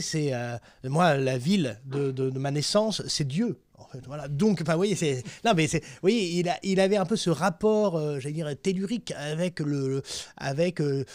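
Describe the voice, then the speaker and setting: A man's voice: on the high side, darkish tone, no echo. A man hosting a panel discussion, talking casually with many hesitations and restarts. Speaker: panel host.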